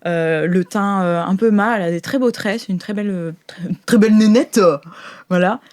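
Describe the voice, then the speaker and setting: A woman runs a tabletop role-play as game master. Her middle-pitched voice describes scenes on the fly, feeling for each word in a conversational way. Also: normal speed, darkish tone. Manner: descriptive, searching for words.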